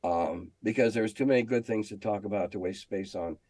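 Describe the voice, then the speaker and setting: A man's voice: on the low side, fairly quick, darkish tone, dry recording. An older man reminiscing casually in an interview, speaking emphatically and repeating phrases to make his point. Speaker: game designer and magazine editor guest.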